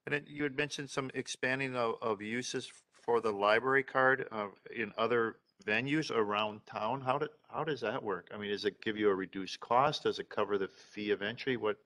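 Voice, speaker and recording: A man on a village board asking questions at a meeting, halting with many restarts, speaking at a desk mic in a meeting room. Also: mid-range voice, bright, forceful tone. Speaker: board member.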